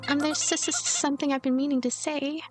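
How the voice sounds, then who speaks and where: A woman's voice: high voice, a little fast, over music, pitched above the performer's own voice, close to an everyday voice. A woman voicing a timid, tearful young nun girl in a visual novel, earnest and sweet, pleading and apologetic. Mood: nervous. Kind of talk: acted reading of a visual novel.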